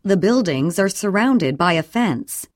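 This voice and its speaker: A woman reading short English sentences slowly and clearly for a listening and repetition drill. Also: lowish voice, dry recording, clean studio sound. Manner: clear, even, deliberate reading. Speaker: English audio reader.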